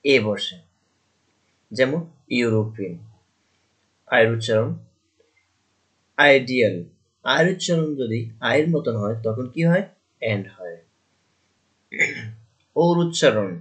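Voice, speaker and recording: Man, grammar teacher, asks and answers his own questions, mid pitch. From Bangladesh. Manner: asks questions and answers them himself, repeats key points. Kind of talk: classroom grammar lesson.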